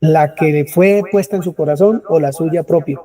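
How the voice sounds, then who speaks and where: A man's voice: fairly high pitch, moderate pace, warm tone. A man preaching a sermon to a congregation, asking them questions and answering them himself. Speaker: preacher leading a Bible study.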